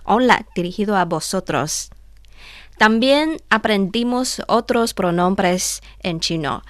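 Slow-spoken woman. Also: mid-range voice, animated, dry recording, clean studio sound. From China. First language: Chinese. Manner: slow, careful, drilling pronunciation. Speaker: language teacher and co-host. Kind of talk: radio language lesson.

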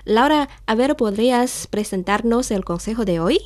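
A woman's voice: fairly high pitch, expressive, normal speed, no echo, clean studio sound. A woman from China with Chinese as her first language, teaching a language lesson in Spanish and modelling words for her co-host to repeat.

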